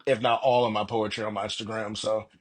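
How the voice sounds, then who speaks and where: A man's voice: lowish voice, level tone, fast. A man speaking casually as an author guest in an interview.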